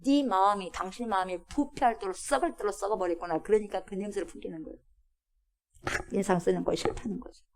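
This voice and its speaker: Woman pastor, fiery sermon, rhetorical questions, hushed whispers between loud lines. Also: mid-range voice, fast talker. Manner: emphatic preaching, rhetorical questions to the congregation, sudden drops to a whisper. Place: church.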